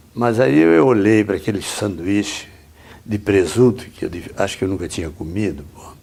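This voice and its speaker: A man speaks at a moderate pace, fairly low in pitch with ordinary variation. His loudness swings widely over noticeable background noise. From southern Brazil, Santa Catarina. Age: 70s. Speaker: retired army major and businessman, interviewee. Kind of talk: oral history testimony.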